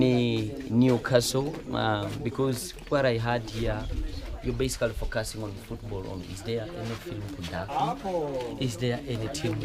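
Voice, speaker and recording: A man with a Ugandan accent hosting a casual interview on a film set, hesitant with many fillers and restarts. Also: medium pitch. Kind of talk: casual interview, switching to Luganda commentary. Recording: crowd chatter behind.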